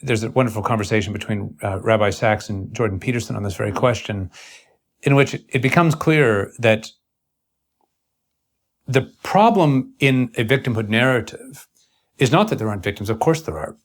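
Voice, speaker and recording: A man interviewing in an earnest intellectual conversation, speaking in formal academic phrases with a halting, searching delivery. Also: lowish voice.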